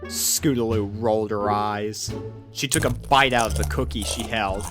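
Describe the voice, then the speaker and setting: A man's voice: fairly low pitch, fairly even intonation, normal speed. Man narrating a story over music. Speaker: fan fiction reader, narrator. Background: background music.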